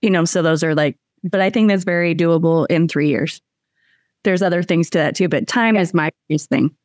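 A woman's voice: fairly low pitch, a little fast, a little mellow, no room sound, studio quality. A woman taking part in a group coaching session, speaking candidly and a little hesitantly, with fillers. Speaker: group participant. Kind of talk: casual sharing in a group.

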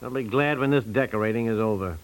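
A man playing a hurried, exasperated husband in a 1950s radio comedy, grumbling wryly. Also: mid-range voice, slight background noise, natural voice, rough recording. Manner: grumbling, wry. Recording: vintage 1950s radio recording.

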